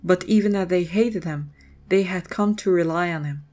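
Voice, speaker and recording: A woman's voice: lowish voice, moderate pace, darkish tone. A woman reading scripted, dramatic story narration as the narrator of an audio drama.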